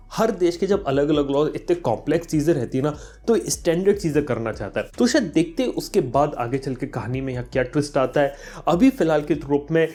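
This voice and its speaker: Mellow, higher-voiced man explaining. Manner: explanatory, addresses viewers directly, mixes in English terms. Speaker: tech YouTuber, host. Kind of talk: explainer vlog, conversational commentary.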